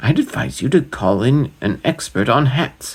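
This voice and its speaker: A man's put-on character voice, lively in intonation, at a moderate pace. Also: medium pitch for a man. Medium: read story. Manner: grave, measured.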